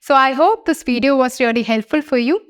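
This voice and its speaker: A woman's voice: high-pitched, animated, drawn-out words. A young woman with a Malayali English accent, teaching an exam-prep lesson and switching between Malayalam and English. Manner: mixes Malayalam with English phrases. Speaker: language trainer. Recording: soft music underneath.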